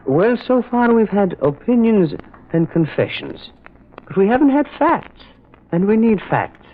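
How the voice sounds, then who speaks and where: An actor playing a mild priest and amateur detective who muses and gently insists, in old-time radio drama style. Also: male voice, high voice, big pitch swings, measured pace. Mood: earnest, insistent. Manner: hesitant, musing, gently insistent. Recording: noisy, tinny vintage radio recording.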